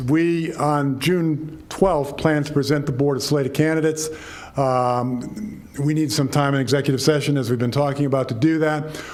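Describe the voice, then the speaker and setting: Audible room echo surrounds a man speaking in a fairly high pitch with fairly even intonation. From New Jersey. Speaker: superintendent search consultant. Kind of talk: presentation to school board. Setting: public meeting. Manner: fast.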